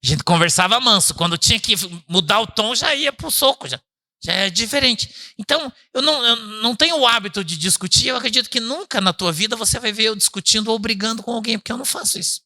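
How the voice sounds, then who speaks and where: Bright-voiced male pastor preaching casually. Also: fast talker. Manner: chatty, asks the congregation "né?" and calls them "irmão"; swings from loud emphatic bursts to low quiet asides. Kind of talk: conversational sermon. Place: church service.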